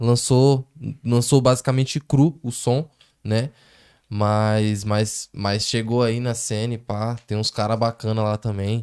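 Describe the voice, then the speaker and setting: A man with a normal speaking voice, medium pitch, and a fairly slow pace. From São Paulo, Brazil. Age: 20s. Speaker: rapper. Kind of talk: casual chat.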